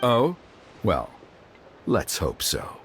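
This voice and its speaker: A man's voice: fairly low pitch, very slow, noisy background, heavily acted. An actor playing a middle-aged father and tribal elder in a video game, protective and formal in manner. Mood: wary, formal. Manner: formal, expressive, hesitant when flustered. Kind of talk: English video game voice acting. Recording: game music behind the voice. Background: game background music.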